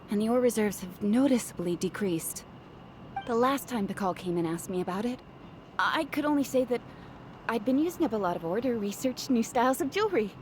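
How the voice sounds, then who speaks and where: A woman's voice: fairly high pitch, a little mellow, a little hiss or hum, close to an everyday voice. A woman voicing a kind, worried young female jeweler who tends to ramble.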